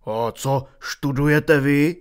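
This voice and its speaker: A man voicing a huge, gruff gamekeeper who speaks slowly and evasively, keeping things secret. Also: on the high side, fairly even intonation, close to an everyday voice. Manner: slow, hushed, evasive.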